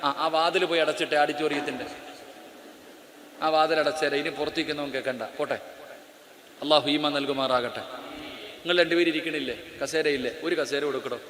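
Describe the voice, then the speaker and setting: High-voiced preacher in echoing hall. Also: male voice, fairly even intonation, a little fast, long pauses, a bit bright, slight background noise. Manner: speaks straight to the crowd, calls out and questions listeners. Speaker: Islamic preacher. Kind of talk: sermon to a live hall audience. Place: auditorium. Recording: echoey auditorium with long reverb.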